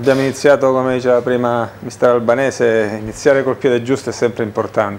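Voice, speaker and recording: With light background noise, a man rushes along at a very fast pace in a flat monotone, with hardly any pauses. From Locri, Calabria, Italy. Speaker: football coach. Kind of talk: TV sports panel discussion. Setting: TV studio. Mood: relaxed, smiling. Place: studio. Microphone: lapel.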